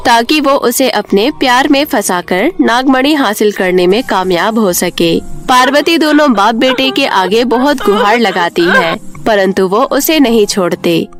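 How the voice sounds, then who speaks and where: Female storyteller, high voice, scripted narration over background music.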